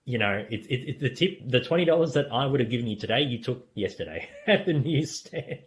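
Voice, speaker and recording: A man's voice: medium pitch, lively intonation, fairly quick. A man hosting a podcast, casually retelling scenes and often chuckling as he goes. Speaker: podcast host. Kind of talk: casual scene-by-scene recap of a TV comedy episode.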